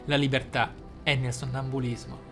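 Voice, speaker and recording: Gamer guy reading lore out loud, expressive, musing to himself, music in the background. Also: mid-range voice, moderate pace. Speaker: gaming channel host. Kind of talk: reading game lore aloud with off-the-cuff commentary. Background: game music.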